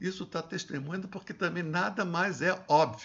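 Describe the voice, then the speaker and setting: A man speaks at a high pitch in a Rio de Janeiro accent. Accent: Carioca Brazilian Portuguese. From Brazil, Rio de Janeiro. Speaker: professor. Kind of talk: lecture. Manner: halting, with self-corrections.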